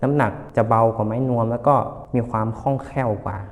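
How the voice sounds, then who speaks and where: A man's voice: mid-range voice, fast talker. A young man, a guest musician, answering interview questions in a polite, explanatory way. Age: young adult. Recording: long reverb.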